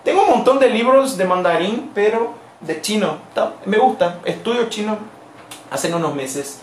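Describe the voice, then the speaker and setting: A Brazilian man, a native Portuguese speaker, hosts a live language lesson in a playful, laughing way. His voice sits high and swings widely in pitch. The sound is roomy and echoey, with a faint hum underneath. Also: expressive, normal speed. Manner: playful, laughs often, switches between languages. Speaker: language teacher hosting a live stream. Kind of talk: casual live-stream lesson.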